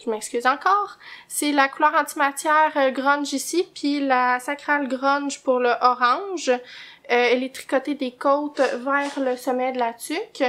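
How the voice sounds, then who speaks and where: A woman's voice: sits high, fairly even intonation, unhurried, fairly bright tone. A woman with a Québécois French accent hosting a knitting podcast in casual chat, chatty and easily sidetracked, often laughing. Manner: chatty, laughs easily, loses her train of thought. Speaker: knitting podcast host and pattern designer.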